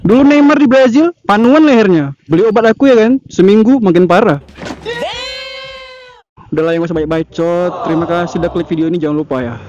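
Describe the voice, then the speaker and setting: A man's voice: high voice, fairly quick. Man, young, playful joking motovlog chat, muffled helmet mic, faint wind noise. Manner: joking, playful, self-mocking. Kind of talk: rambling comic motovlog chat. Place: riding a motorcycle on city streets outdoors.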